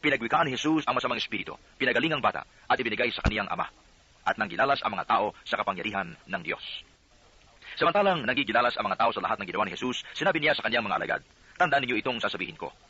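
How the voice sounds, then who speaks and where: Brief: male scripture reader, quick and crisp, slightly husky tone, dull lo-fi sound. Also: fairly low pitch, no echo. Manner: steady, earnest reading voice. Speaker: Bible reader. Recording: dull lo-fi audio.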